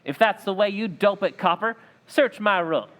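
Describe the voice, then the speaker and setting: A man's voice: high-pitched, lively intonation, moderate pace, a bit bright. A man playing a brash, defiant young suspect with slangy tough talk in an old-time radio drama. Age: young adult.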